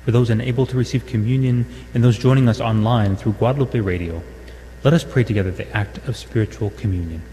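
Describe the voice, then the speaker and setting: Male prayer leader, reverent recitation, dark mellow tone, long hall reverb, faint noise. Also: medium pitch, fast.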